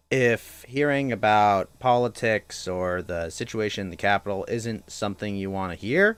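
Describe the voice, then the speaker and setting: Chatting casually on his game stream at home, a young man speaks in a deep, smooth voice with no room sound. He addresses his chat directly, rambling and frequently starting his sentences over.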